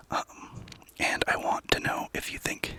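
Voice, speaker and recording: A man whispers over noticeable background noise. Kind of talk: ASMR whisper ramble. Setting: outdoors. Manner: whispered.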